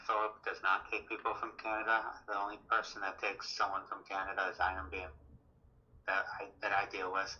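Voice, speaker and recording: A man's voice: fairly low pitch, monotone, a little fast, bright, forceful tone. Man answering briefly over a speakerphone. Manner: brief, matter-of-fact replies. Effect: heard over a speakerphone. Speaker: introducing broker on a phone call. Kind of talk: casual phone chat. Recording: muffled speakerphone sound from off-mic.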